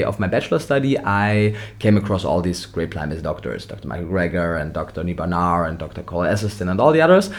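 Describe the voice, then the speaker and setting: A young man from Austria, a native German speaker with an Austrian accent, answering interview questions thoughtfully, restarting his sentences often. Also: fairly low pitch. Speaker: nutrition scientist guest.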